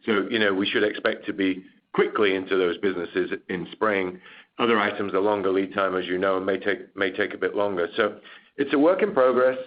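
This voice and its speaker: A man speaking as a chief executive on an earnings call, giving candid, measured, unscripted business commentary. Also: deep voice. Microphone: conference call line. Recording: dull, lo-fi conference call audio.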